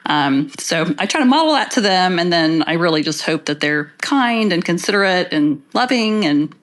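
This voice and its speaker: A woman's voice: fairly low pitch, animated, moderate pace. A middle-aged woman talking conversationally as a guest on a podcast panel. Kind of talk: casual conversational reflection.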